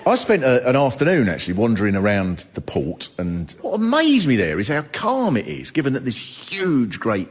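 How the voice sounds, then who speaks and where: A man's voice: medium pitch, huge pitch swings, moderate pace, hardly any pauses, big-room sound. A man performing stand-up comedy before a live audience, with sardonic, exasperated rants. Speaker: comedian host. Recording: live stage recording with audience noise.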